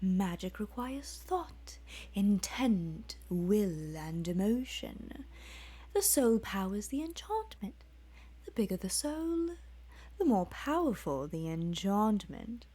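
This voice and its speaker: Woman doing a sly mocking demon guy, fake british accent, soft and whispery, slow. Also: medium pitch, very animated, breathy edge, exaggerated voice. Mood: lecturing. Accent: put-on British. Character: scheming male Dremora demon, cold and mocking.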